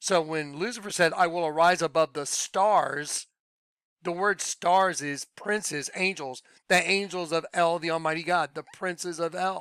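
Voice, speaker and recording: Speech unfolds at a fairly slow pace. There is no background sound at all on this very clean recording. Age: 60s. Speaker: religious video commentator. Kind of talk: monologue sermon-style commentary. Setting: home studio. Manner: animated.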